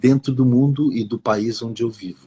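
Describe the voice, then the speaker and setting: The man's voice has a dark, mellow tone and is somewhat breathy. His intonation stays fairly even. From southern Brazil (Rio Grande do Sul). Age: 60s. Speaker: actor and filmmaker. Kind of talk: interview. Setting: live stream.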